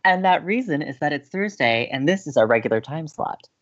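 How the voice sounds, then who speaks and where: A man's voice: a little high, expressive, brisk, lo-fi sound, natural voice. A man playing an upbeat, teasing college radio co-host in an audio romantic comedy, with a playful, breezy manner.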